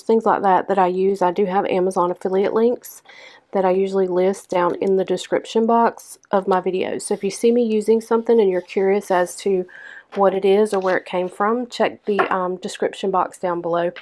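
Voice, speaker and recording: A young woman with a hoarse, stuffed-up voice chatting casually through a planner-decorating vlog. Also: medium pitch, a little mellow. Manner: chatty, lots of ums, unhurried. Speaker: planner vlogger. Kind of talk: casual plan-with-me narration.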